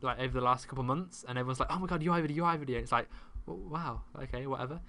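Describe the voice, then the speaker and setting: A British accent carries speech delivered at a very fast pace. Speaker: gaming YouTuber. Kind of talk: tutorial. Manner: casual, filler-heavy.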